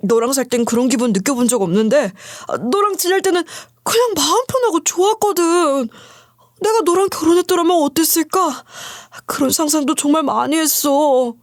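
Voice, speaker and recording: A woman's voice: sits high, dry recording, clean studio sound, pitched above the performer's own voice, natural voice. A woman voicing a self-pitying, remarried ex-husband who pleads and makes excuses in a storybook reading.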